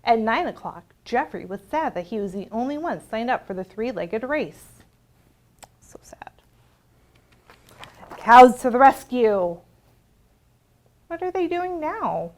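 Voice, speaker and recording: Woman, storytime reader, higher-pitched, swooping intonation, expressive, asks kids simple questions. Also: slow, long pauses. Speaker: children's librarian. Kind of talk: interactive read-aloud storytime for young children.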